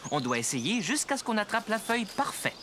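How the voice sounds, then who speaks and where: A man's voice: high-pitched, sing-song, a little fast, very noisy. An actor playing an encouraging young father in a cartoon.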